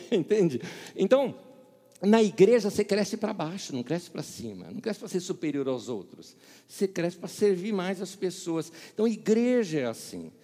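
Animated Brazilian pastor in reverberant hall. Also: male voice, high voice. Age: middle-aged. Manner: animated storyteller, acts out dialogue, laughs at own jokes. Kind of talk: sermon with humorous anecdotes.

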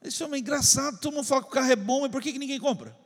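A man's voice: extremely high pitch, rapid-fire, husky, big-room sound. A man preaching a testimony to a congregation, telling a story and acting out his own prayers and conversations.

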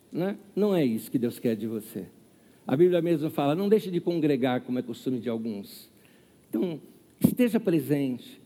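A man's voice: fairly high pitch, dark tone, husky. A man preaching a sermon as pastor to his congregation, with rhetorical questions and acted quotes. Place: church hall. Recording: long hall reverb.

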